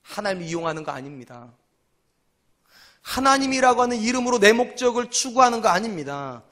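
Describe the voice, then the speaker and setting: A man's voice: high voice, big pitch swings, brisk, fairly bright tone. A male senior pastor preaching a sermon to his congregation. He asks rhetorical questions and repeats key lines for emphasis. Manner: acts out quoted voices in short dialogues.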